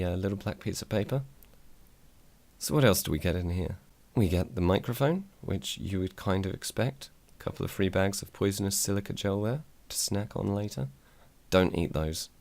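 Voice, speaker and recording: A man's voice: a little mellow, dry recording. A man, reviewing a microphone in a casual, dry, self-deprecating way. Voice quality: low voice. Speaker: tech reviewer. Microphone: desk microphone on a mic arm.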